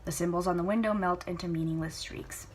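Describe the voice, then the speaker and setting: A woman's voice: on the low side, fairly even intonation, brisk. Woman narrating a story, noisy home recording. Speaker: amateur book reader. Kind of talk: storybook narration with casual asides.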